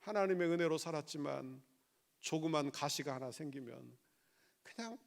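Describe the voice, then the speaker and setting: A man's voice: on the high side, normal speed, creaky. A male pastor preaching a sermon, asking the congregation questions and rising to emphatic exclamations.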